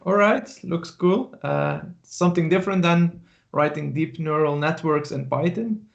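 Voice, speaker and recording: A man hosts an online event and welcomes a guest in a friendly, slightly halting way. His voice is gravelly and sits a little high. The call audio is dull and lo-fi. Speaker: host. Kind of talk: introducing a speaker.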